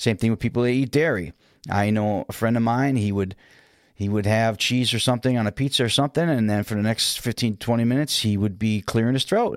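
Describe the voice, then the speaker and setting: A man with an American accent at medium pitch, talking very fast with ordinary pitch variation, in a very clean recording with a silent background and a dry, close sound with no echo. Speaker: singer and vocal coach. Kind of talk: tutorial. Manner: casual.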